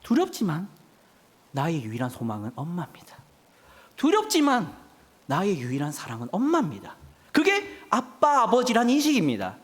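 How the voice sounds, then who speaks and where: Casting: male preacher, wildly swinging pitch, rhetorical questioning sermon style. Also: huge pitch swings, moderate pace, slightly rough, in a large hall. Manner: rhetorical questions, acts out a child crying for mom.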